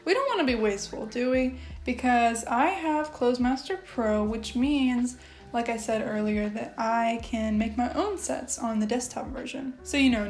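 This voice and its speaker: A chatty young woman in her twenties talks straight to the camera from her living room, her voice sitting a little high. She is animated and excitable, with lots of filler words. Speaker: language-learning vlogger. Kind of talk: casual chat to camera.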